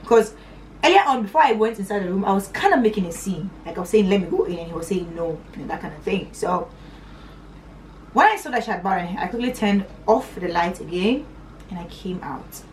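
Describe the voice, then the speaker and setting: A young woman from Northern Nigeria telling a personal story on her vlog in a chatty, animated way, her voice swinging up high and dropping to low asides. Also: fairly quick, recorded from a distance, slight background noise, poor audio. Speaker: vlogger.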